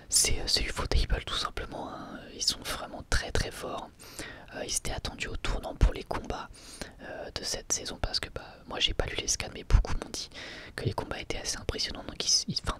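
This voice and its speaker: Whispering ASMR reviewer of unclear sex. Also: medium pitch. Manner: hesitant, informal, halting phrasing.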